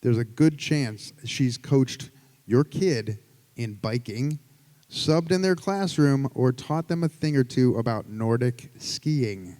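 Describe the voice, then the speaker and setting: A male host introduces the next storyteller from a prepared bio, measured and steady. His voice is dark and mellow, and the long echo of a performance hall hangs behind it. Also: medium pitch. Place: live event venue with long reverb. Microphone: stage microphone. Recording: live hall with long reverb.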